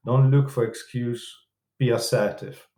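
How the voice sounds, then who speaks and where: A man from Poland with a Polish accent, a film director and producer, talking as a guest in a casual interview, halting and restarting often with broken grammar. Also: medium pitch, steady tone, warm tone, reverberant. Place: room in London.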